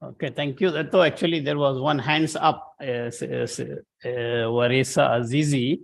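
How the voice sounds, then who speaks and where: Creaky-voiced Malaysian male moderator. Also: mid-range voice, steady tone, moderate pace. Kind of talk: moderating a question session.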